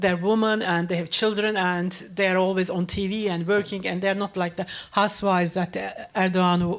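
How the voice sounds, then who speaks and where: A woman with a Turkish accent talks at medium pitch in a monotone, flat intonation. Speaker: feminist activist and journalist. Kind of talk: panel discussion. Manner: halting, many false starts.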